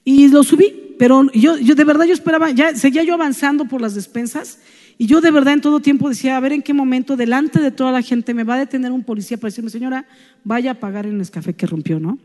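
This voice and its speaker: A woman's voice: sits high, fast, a little mellow, in a large hall. A woman with a Mexican Spanish accent, speaking in a church and telling a personal story within a sermon, chatty and tagging her sentences with "¿no?".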